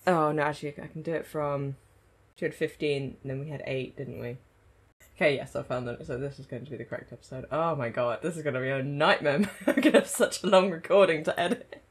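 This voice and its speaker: A woman giving excited, gushing reaction commentary as she watches an anime episode, speaking into her own microphone. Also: deep voice, fast, breathy edge. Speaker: anime reaction channel host. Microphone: own desk microphone.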